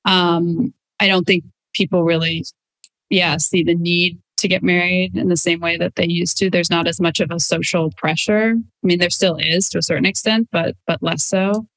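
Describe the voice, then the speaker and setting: Reflective woman with a slightly low voice. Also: level tone, normal speed, a bit bright, no room sound, rough recording. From Denmark. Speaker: psychologist guest, relationship podcaster. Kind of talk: conversational interview answers. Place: home room, indoors. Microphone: video call, wearing headset.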